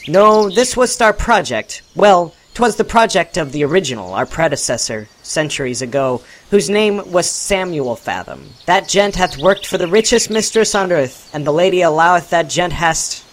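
A man's voice: high-pitched, lively intonation, moderate pace, hardly any pauses, voice pushed up. A man voicing a precocious six-year-old boy clone who speaks in mock-archaic English. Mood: matter-of-fact. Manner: mock-archaic speech, sassy and knowing.

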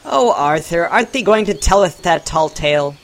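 A man voices a precocious six-year-old boy clone who talks in mock-archaic English, sassy and knowing yet matter-of-fact. His pitch is fairly high and pushed up, animated, at a moderate pace.

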